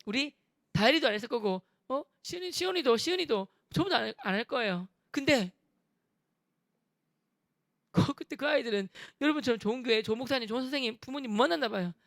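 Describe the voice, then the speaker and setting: A man with a Busan accent, a church deacon, telling his testimony with humor and punchy, rough-spoken quotes. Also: very high-pitched, quick pace, dry recording, clean studio sound. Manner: lively, humorous storytelling with rough dialect quotes. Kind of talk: animated testimony with acted quotes.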